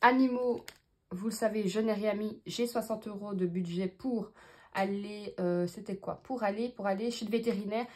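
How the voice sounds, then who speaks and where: A budgeting vlogger with a Belgian French accent talks casually to camera, counting out her budget and thinking aloud with lots of fillers. Her voice is medium-pitched and her pace moderate.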